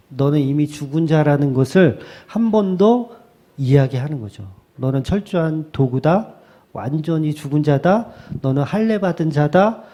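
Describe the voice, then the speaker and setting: A male pastor preaching a sermon in a lively way, slipping into quick acted asides. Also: fairly high pitch.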